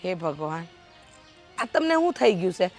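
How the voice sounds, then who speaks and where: An actress with a Kathiyawadi accent playing a sharp-tongued village housewife who argues and complains in an exasperated way. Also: female voice, a little high, moderate pace, faint music behind, lightly acted. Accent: Kathiyawadi Gujarati. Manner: exasperated, nagging. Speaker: wife and sister-in-law. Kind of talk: village family drama acting.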